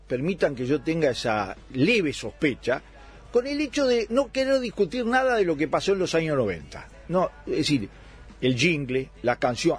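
A man's voice: mid-range voice, darkish tone, breathy edge. A man in his sixties, born in Italy, arguing his side as a guest in a political radio debate. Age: 60s.

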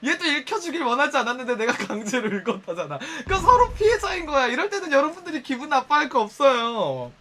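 A man's voice: very high voice, sing-song, fast talker, hardly any pauses, sharp tone, slight background noise. A man giving casual advice in a campy, teasing way, often acting out little scenes. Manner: campy, teasing, playacts voices.

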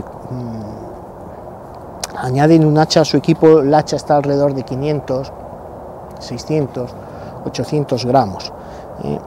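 A man in his sixties, a channel host, seated in sunny pine woods, explaining his gear to the camera in a halting way, with fillers and repeated words. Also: on the high side, mellow. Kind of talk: casual outdoor gear talk to camera. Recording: noisy outdoor recording.

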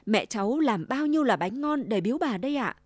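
A kind little girl in a red hood voiced by a woman, speaking high and politely in a storybook reading. The sound is dry and close. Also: animated, a little fast, a little mellow, no room sound. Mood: innocent.

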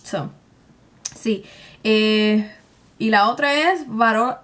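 A woman's voice: on the high side, extremely slow, a bit bright. A young woman with a Puerto Rican Spanish accent chats casually to camera, informal and colloquial, dropping in English words. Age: young adult. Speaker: beauty vlogger. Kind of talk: casual chat to camera, answering tag questions. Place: small room at home, indoors.

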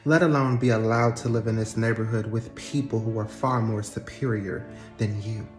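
A smug store manager, as a comedian puts her on, speaking low and unhurried with cutting sarcasm. The voice sits in a roomy space with a thin bed of music behind it. She sounds completely unbothered. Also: steady tone, natural voice.

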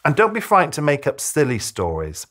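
A man in his fifties giving advice to camera as a children's author, speaking emphatically like a storyteller, with deliberate pauses. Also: fairly high pitch, wildly swooping pitch, a bit bright. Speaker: children's author giving reading tips to parents. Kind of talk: direct-to-camera advice talk, presentational. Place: small furnished room, indoors.

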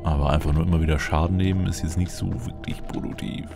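A man's voice: a bass voice, steady tone, quick pace, vocal fry. A man hosting a Let's Play, giving casual in-character gameplay commentary and musing playfully aloud. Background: game music.

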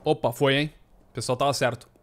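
A man in his thirties, a gaming streamer, giving casual, slangy commentary on a headset with bursts of excited chatter. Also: mid-range voice, a little fast.

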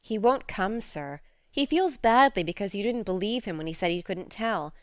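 A woman's voice: mid-range voice, animated, normal speed, no echo, studio quality, lightly acted. A woman reading a spirited, outspoken teenage girl who speaks earnestly and frankly.

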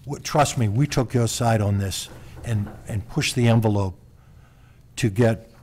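A man's voice: fairly low pitch, measured pace, darkish tone, a little hiss or hum. A man explaining findings formally as a board member at a public meeting in a small room.

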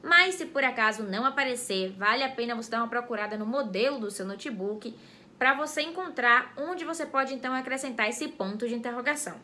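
A Brazilian woman with a high, bright voice teaches a grammar lesson. She explains clearly and step by step, addressing her viewers directly as she goes. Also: expressive, brisk, a little hiss or hum. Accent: Brazilian Portuguese. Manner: clear and didactic, speaks straight to viewers. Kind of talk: educational explainer video.

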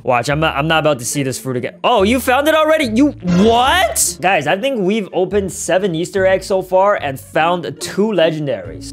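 A young man giving hyped, jokey gameplay commentary, jumping from shouts to deadpan mutters. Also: sits high. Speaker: gaming YouTuber. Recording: faint music behind the voice.

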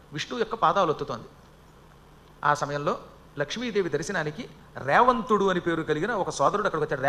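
A male preacher tells a scripture story at a rapid clip, in a high, bright voice. He chats with his audience and slips in humorous asides. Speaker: Puranic discourse speaker.

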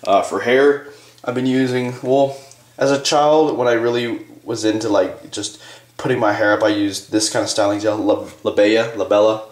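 Male vlogger, twenties, lowish voice, offhand and informal, casual rambling delivery, echoey small bathroom sound. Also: steady tone, normal speed. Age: 20s. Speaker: bodybuilding vlogger. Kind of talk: casual rambling vlog to viewers. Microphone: handheld camcorder at arm's length.

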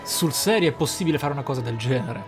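A man hosts a roleplaying game playthrough. He muses aloud with emphatic phrasing and a mid-range voice, while music plays clearly behind him. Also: medium pitch, lively intonation, fast. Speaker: gameplay host.

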